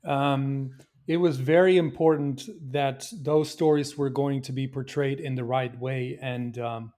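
A man from Belgium answers questions about his film in a mid-range voice. He talks earnestly and thoughtfully, often pausing with fillers and restarting his sentences. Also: mid-range voice, steady tone, dark tone. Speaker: filmmaker. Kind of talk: interview answers.

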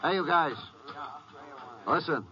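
An American actor playing a gruff, domineering, hot-headed jail inmate and scheming ringleader in 1950s western radio style. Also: male voice, a little high, lively intonation, slow, sharp tone, full character voice. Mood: scheming, bossy. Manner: gruff, impatient, domineering tough-guy slang. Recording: muffled vintage radio recording.

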